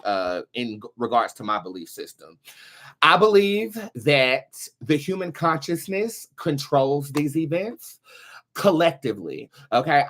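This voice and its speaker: A man hosting a show, giving casual commentary in a halting way with emphatic stresses on key words. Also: mid-range voice, a bit bright. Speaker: host of a tarot and commentary show.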